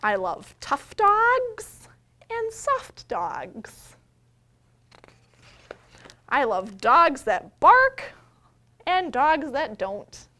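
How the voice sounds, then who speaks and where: A woman hosting storytime as a children's librarian, talking simply to young children with questions, invitations and drawn-out emphasis when reading. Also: sits high, huge pitch swings, pushed and bright. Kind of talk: children's storytime read-aloud with talk and action rhymes.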